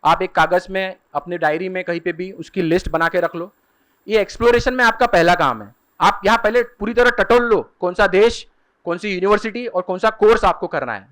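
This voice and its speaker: A man with a fairly high voice lectures a seminar audience on study options. He explains step by step, slowing down to spell out and repeat the key terms. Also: fairly bright tone. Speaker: career guidance speaker. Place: seminar hall.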